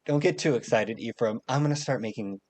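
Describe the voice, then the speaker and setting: A man voicing a calm, gently amused village mother in a tabletop game. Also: medium pitch, brisk, natural voice.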